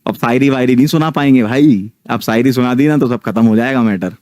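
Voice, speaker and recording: A man's voice: medium pitch, a little fast, a little mellow, no echo. A man in his thirties telling a ghost story casually to a live online audience, often checking in with his listeners. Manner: chatty, keeps checking in with the listeners.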